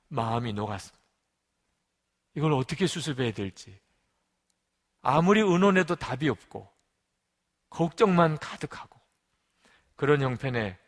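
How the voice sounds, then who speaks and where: Man, pastor delivering a sermon; animated delivery, loud to hushed; reverberant sanctuary sound. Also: medium pitch, normal speed, pauses often. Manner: storytelling with acted quotes, swings between loud and hushed. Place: church sanctuary.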